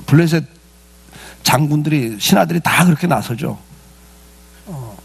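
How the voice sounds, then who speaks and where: A male pastor delivers a sermon in a gravelly, husky voice. His pitch rises and falls with lively swings as he talks, and he keeps it conversational, asking his listeners questions and answering them himself. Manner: conversational preaching with rhetorical questions and frequent "예".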